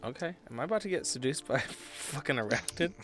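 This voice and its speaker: A man's voice: fairly high pitch, animated, normal speed, music in the background. A man chatting casually as a player in a tabletop game podcast. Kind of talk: casual chat.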